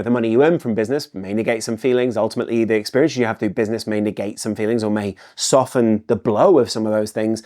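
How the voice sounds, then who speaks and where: A man's voice: medium pitch, a little mellow. A middle-aged man from England, hosting a solo football commentary video, earnest and repetitive, leaning on "ultimately". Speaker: football channel host.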